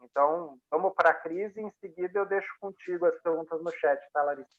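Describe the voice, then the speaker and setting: A man's voice: fairly high pitch, a little fast, lo-fi sound. A man, a workshop facilitator giving a reflective talk on a video call, often checking in with tag questions. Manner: frequent tag questions, conversational.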